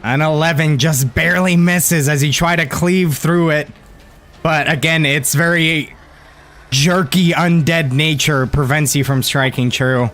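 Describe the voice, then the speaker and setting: A man narrating a tabletop fantasy game as game master, casual and a little halting as he describes the action. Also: on the high side, fairly even intonation, fairly bright tone, faint music behind.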